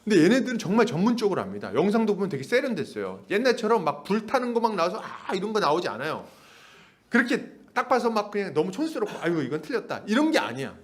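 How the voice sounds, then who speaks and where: A man's voice: high voice, fast talker. A man preaching a sermon as pastor, in a casual, conversational way, acting out the voices of people in his story and laughing now and then. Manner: animated, acts out voices of others in the story. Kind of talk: expository sermon. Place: church sanctuary.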